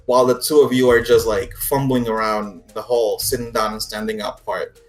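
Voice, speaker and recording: A man's voice: fairly low pitch, fairly even intonation, soft background music. Male game master in an echoey room. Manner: halting, conversational, explanatory. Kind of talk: improvised tabletop game narration.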